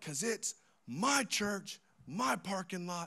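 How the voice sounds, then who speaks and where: A man speaks in a put-on character voice, pitched high. His pace is fairly slow. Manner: irate.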